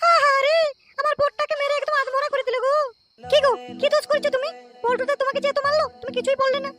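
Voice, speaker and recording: A woman's voice: very high voice, level tone, quick pace, sharp tone, faint music behind. A woman voicing an anxious, nagging village wife in a comic cartoon, with a questioning, plaintive delivery. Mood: worried, nagging.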